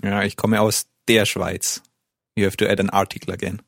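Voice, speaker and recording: A man's voice: on the low side, level tone, normal speed, creaky, no room sound, studio quality. A man teaching a language on a podcast, patiently explaining and modelling pronunciation. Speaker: native-speaker language teacher.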